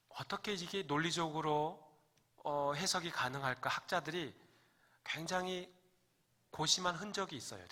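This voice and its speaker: Bright-voiced male pastor preaching conversationally. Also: on the high side. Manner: conversational preaching, asks the congregation questions and jokes. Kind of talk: Sunday sermon. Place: church sanctuary.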